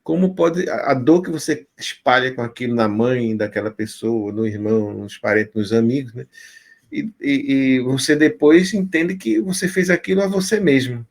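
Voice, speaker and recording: A man's voice: medium pitch, moderate pace, creaky. A man, interviewing a guest and summing up her points attentively. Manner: attentive, sums up the guest's points with short affirmations. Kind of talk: casual conversational interview.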